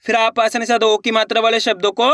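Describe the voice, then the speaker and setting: A man with a high, bright, forceful voice gives a patient step-by-step reading lesson, drawing out syllables and repeating each word. He asks his own questions and answers them in turn. The sound is close and dry, with no room echo. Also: flat delivery, a little fast. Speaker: Hindi reading teacher.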